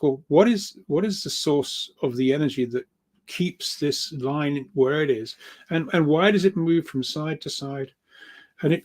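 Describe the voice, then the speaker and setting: A man's voice: medium pitch, darkish tone. A man speaking as an interview guest, explaining at length in an earnest, enthusiastic way, often repeating words and restarting.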